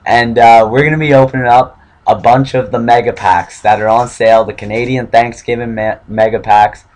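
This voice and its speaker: A young man with a cold and a hoarse voice, hosting casual gaming commentary while opening card packs, swearing and swinging from mumbling to excited shouts. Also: mid-range voice, moderate pace, low-quality recording. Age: young adult. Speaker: gaming channel host.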